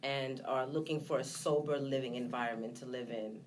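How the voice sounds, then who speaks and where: This woman has a bass voice with fairly even intonation, and a little hiss or hum sits under the recording. Born in Trinidad and raised in Brooklyn, she's a nonprofit founder giving personal testimony as an interview guest, candid and reflective but hesitant, with many pauses.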